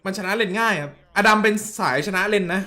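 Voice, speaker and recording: A male streamer talks through a match in loose, blunt commentary and throws in crude slang. His voice sits a little high and sounds bright and forceful. He stops to answer viewer messages as they come in. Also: a little fast. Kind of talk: casual esports watch-along commentary.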